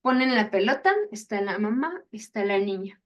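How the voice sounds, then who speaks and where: A woman's voice: mid-range voice, animated, moderate pace. A young woman giving a casual Christian teaching talk, chatty and acting out inner voices with little laughs at herself.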